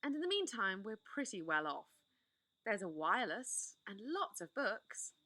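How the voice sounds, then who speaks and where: A woman's voice: medium pitch, big pitch swings, measured pace, pushed and bright, no room sound, full character voice. A woman doing a sensible, motherly girl. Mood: prim.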